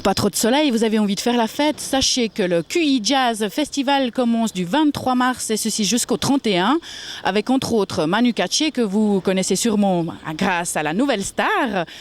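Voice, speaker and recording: A woman's voice: a little high, animated, normal speed. A woman presenting a student news magazine, reading from a script. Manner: reads from a script. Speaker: show presenter.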